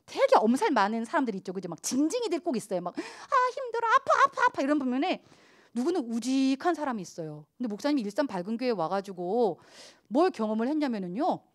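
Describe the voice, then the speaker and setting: Lively high-voiced woman preaching. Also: fast talker. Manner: animated, acts out quoted voices of children and church members. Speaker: pastor. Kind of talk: youth sermon.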